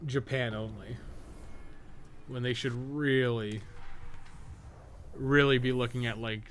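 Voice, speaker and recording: Blunt man over clear background noise. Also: medium pitch, fairly even intonation, takes it slowly, fairly bright tone. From North America. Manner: blunt, opinionated, sweary rambling. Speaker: game streamer and podcast co-host. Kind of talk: casual livestream chat while playing a game.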